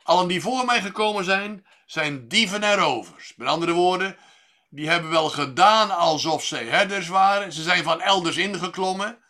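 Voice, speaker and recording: A man delivers a sermon in a bright, slightly high voice. He speaks in a measured way, pausing often with fillers and restarts, and he lifts his voice to stress key words. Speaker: preacher.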